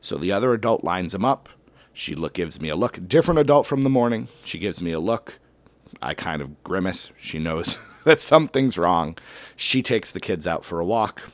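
A man, a schoolteacher, telling a personal story to an audience in an animated way, with sudden loud bursts and slow dramatic drops. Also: sits low, no room sound. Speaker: elementary school teacher.

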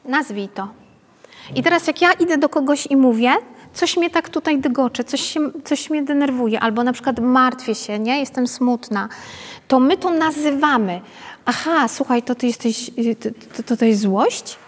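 Speaking at normal speed in a voice that sits high, this woman runs a parenting workshop as a pedagogue. Her talk is casual and chatty, full of tag questions aimed at the group, and the hall adds long reverb.

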